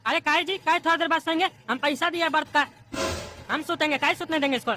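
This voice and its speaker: A woman voicing a rude, pushy bald politician on a train in a cartoon comedy, speaking in a bossy, crude, shouting manner. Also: high-pitched, quick pace, soft background music. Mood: angry.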